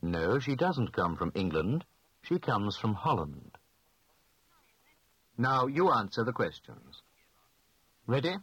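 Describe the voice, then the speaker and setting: A man giving slow, clearly spoken answers in a scripted language lesson drill. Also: on the low side, very animated, fairly bright tone, no room sound, low-quality recording.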